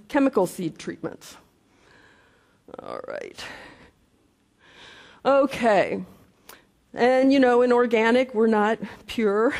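A woman's voice: mid-range voice, a little mellow. A woman giving a conversational conference lecture, with many restarts and asides. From United States. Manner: conversational, frequent okay and restarts. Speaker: conference speaker, entomologist. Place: conference hall. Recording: reverberant hall.

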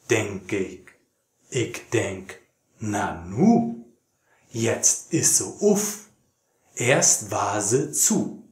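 A young man teaching German to learners, speaking slowly and deliberately with many fillers, recorded in a small plain room. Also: medium pitch. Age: young adult. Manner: very slow and deliberate, many fillers, animated reading. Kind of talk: slow, clear teaching for learners. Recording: roomy echoey room.

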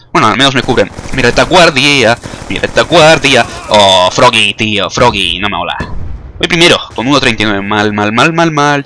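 A young man with a Spanish accent from Spain chats and jokes through his own gameplay in a bright, forceful voice. He keeps a loose, self-mocking running commentary into a close mic. Faint gunfire sounds from the game play behind him. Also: mid-range voice, slight background noise. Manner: chatty, joking, self-mocking. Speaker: gaming commentator.

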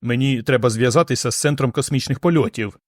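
A man voicing a weak, dazed young astronaut who talks slowly and faintly in an audiobook. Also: mid-range voice, dry recording, clean studio sound, lightly acted. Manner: slow, faint.

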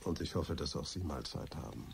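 An actor playing a flirtatious, teasing male friend in a German radio play, with suave banter and a husky voice. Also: a bass voice, expressive, brisk, noisy background, heavily acted.

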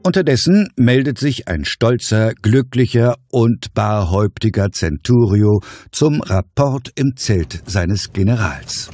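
A man narrating a scripted audio play as a measured, wry, theatrical storyteller. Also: on the low side, expressive, a little mellow. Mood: measured, dramatic.

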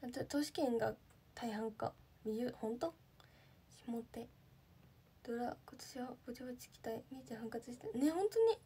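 A woman's voice: on the high side, steady tone, moderate pace, pauses often, mellow, slight background noise. Bubbly young Japanese woman livestreaming. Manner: bubbly, chatty, thanks viewers often. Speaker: idol livestreamer. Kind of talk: casual livestream chat reading comments.

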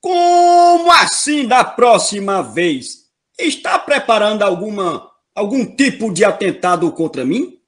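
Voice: medium pitch, sing-song, measured pace. An actor with a Brazilian accent playing a pompous, exasperated king in a comic audio drama. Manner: pompous, melodramatic. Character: pompous, exasperated king berating servant and prophetess.

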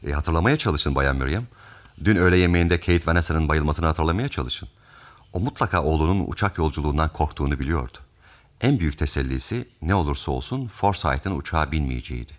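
Radio mystery detective, super low voice, calm, lays out the case step by step. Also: male voice, fast. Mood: patient, explaining. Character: calm, methodical male detective explaining a murder case. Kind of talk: radio theatre mystery acting.

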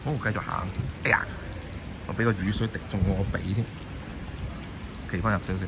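A man's voice: deep voice, fairly quick. A man with a Hong Kong Cantonese accent, live-streaming a walking tour on rainy night streets and chatting casually with viewers as he walks. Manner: chatty, talks to viewers and passers-by. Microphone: handheld phone camera. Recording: steady rain and passing traffic behind.

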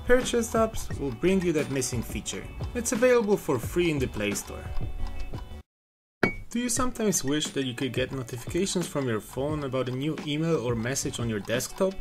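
A young man narrating a scripted, upbeat walkthrough of phone apps as the channel's reviewer. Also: a little high. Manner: upbeat, clear product walkthrough. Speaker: app reviewer.

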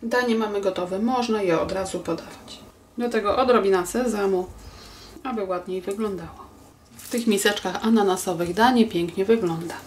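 A woman in her forties hosting a cooking channel, calmly explaining a recipe step by step and politely addressing her viewers from a home kitchen. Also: medium pitch, moderate pace, a little hiss or hum. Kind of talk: recipe instructions. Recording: roomy kitchen echo, voice a bit distant.

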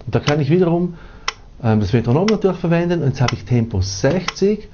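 A man's voice: a little high, animated, fast, background noise. A man with a Swiss German accent teaching a piano lesson, counting rhythm syllables aloud as he plays. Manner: chants rhythm syllables while playing. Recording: slightly dull audio with piano and metronome. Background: piano playing.

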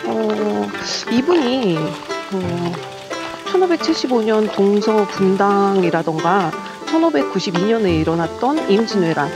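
A woman's voice: mid-range voice, animated, measured pace, low-quality recording. A woman vlogger casually explaining a historic site on a cycling trip, chatty, with frequent laughs and fillers. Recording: loud background music.

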